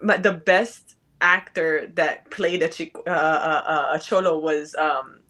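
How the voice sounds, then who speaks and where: A woman's voice: low-pitched, fairly even intonation, slow, a bit bright. A woman from New York, a podcast guest in casual chat, teasing and laughing.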